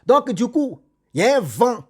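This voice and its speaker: A man telling a spooky cautionary tale in casual spoken French, animated and repetitive, speaking straight to his listeners. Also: very high-pitched, normal speed, breathy edge. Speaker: storyteller.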